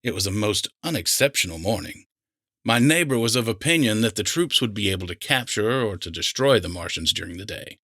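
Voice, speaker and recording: Bright-voiced man narrating fiction. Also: on the low side, expressive, a little fast, dry recording, clean studio sound. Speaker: audiobook narrator.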